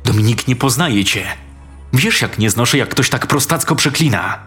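A man's voice: medium pitch, expressive, normal speed, music in the background, natural voice. A man voicing a young woman in a horror story, bewildered and scolding her boyfriend. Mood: alarmed. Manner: pleading, disapproving.

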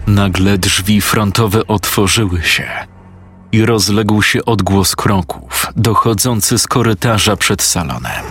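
A man narrating a scripted horror story in a measured, suspenseful way. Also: on the low side, a bit bright, soft background music.

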